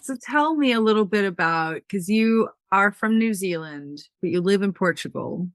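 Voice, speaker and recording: A woman's voice: medium pitch, lively intonation, normal speed, dry recording. A woman hosting an interview, asking friendly, curious, meandering questions. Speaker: podcast host.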